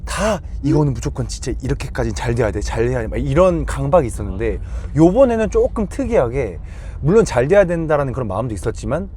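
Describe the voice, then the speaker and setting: A young band member hosts a casual chat, asking friendly questions. His mid-pitched voice moves widely. Faint noise sits in the background. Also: sing-song, fast talker, warm tone.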